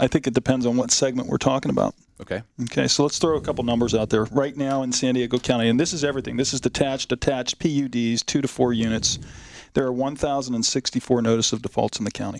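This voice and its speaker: A man talks at a very fast clip with fairly even intonation, his voice dry and echo-free over light background noise. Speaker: radio guest. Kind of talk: radio talk show discussion. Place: studio. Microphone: headset.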